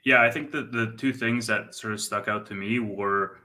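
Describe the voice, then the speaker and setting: A man's voice: fairly low pitch, fairly even intonation, moderate pace, sharp tone. A man in his late twenties co-hosting a casual podcast, asking articulate, probing questions. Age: 20s. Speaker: podcast co-host.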